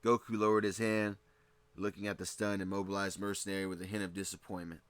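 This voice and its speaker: A man narrating a fan fiction story. His voice sits very low and the delivery is steady, with the odd slip and restart. The recording is dry and close, with no room sound. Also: quick pace, smooth, no echo. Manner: steady reading with occasional slips and restarts.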